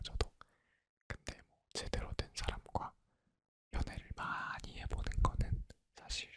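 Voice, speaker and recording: A man's voice: bright, forceful tone, no room sound. Whispering young man, ASMR storytelling. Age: 20s. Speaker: ASMR creator.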